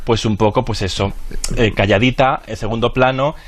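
A man's voice: medium pitch, fairly even intonation, normal speed. A man chatting on a radio show. He explains with many restarts and asides. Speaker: radio television commentator. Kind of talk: lively radio chat. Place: radio studio.

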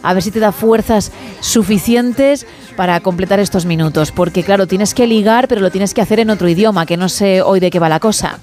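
A woman's voice: medium pitch, a little mellow, soft background music. A woman hosting a radio show, chatting in a playful, teasing way the studio. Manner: playful teasing, quick laughs. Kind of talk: lively late-night radio chat.

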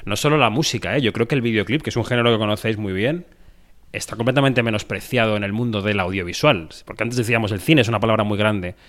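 Guy interviewing filmmakers, lowish voice, laid back, thinks out loud. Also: fast talker. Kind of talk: festival interview chat.

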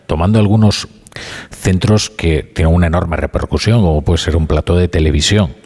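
A male radio host leading a live news discussion, measured and hesitant, often pausing with fillers. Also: low voice, darkish tone, husky.

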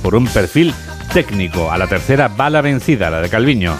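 Low-voiced male radio host. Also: a little fast, over music. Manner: relaxed, bantering. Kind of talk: press review chat.

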